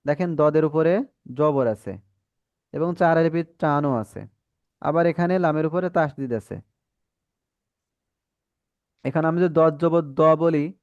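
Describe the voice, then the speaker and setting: A man with a Bangladeshi accent teaching Quran reading in an online class, patiently correcting students and modelling drawn-out syllables. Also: on the high side, darkish tone, no echo, dull audio.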